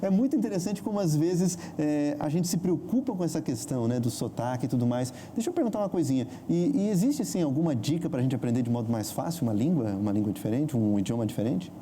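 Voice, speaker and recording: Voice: mid-range voice, lively intonation, fast talker, few pauses, dark tone, slight background noise. A Brazilian talk show host at a school studio who asks the guests questions and keeps them talking with frequent encouraging "uhum"s.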